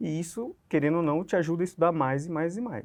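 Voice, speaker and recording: At a fairly quick pace, a man speaks in a fairly high voice. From interior of São Paulo state, Brazil. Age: 20s. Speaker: recent law graduate who passed the bar exam. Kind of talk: interview. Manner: hesitant, many fillers and repetitions.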